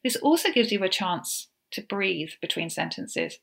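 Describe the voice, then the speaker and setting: Woman podcast host, practical coaching talk delivered at a measured pace. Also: medium pitch, lively intonation, gravelly. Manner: practical, explains step by step with gentle fillers.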